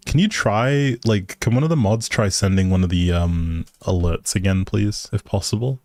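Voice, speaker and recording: A man's voice: lowish voice, normal speed, darkish tone, dry recording. A man live streaming a game, chatting casually with viewers and thinking aloud in an easygoing, polite way. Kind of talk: casual livestream chat over gameplay.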